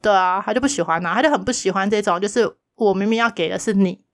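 A woman's voice: mid-range voice, fast. A woman co-hosting a casual chat podcast, telling stories and acting out quoted lines with frequent laughs. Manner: chatty storyteller, acts out quoted lines, laughs often. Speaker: podcast co-host.

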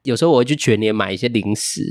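A man's voice: fairly low pitch, rapid-fire, dry recording. A man with a Taiwanese Mandarin accent co-hosting a casual podcast, joking and rambling with restarts. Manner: jokey, rambling restarts, playful self-mockery. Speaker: podcast co-host. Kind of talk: casual chat.

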